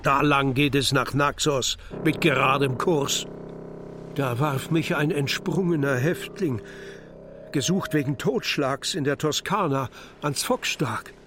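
An actor playing an earnest seafarer telling his tale deliberately in a radio play of epic verse. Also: mid-range voice, over music, natural voice. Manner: deliberate storytelling.

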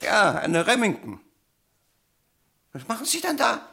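A man's voice: sits high, wildly swooping pitch, a little slow, creaky, sharp tone, slight background noise, exaggerated voice. An actor playing a fussy, protesting male office witness in a German crime radio drama, speaking insistently.

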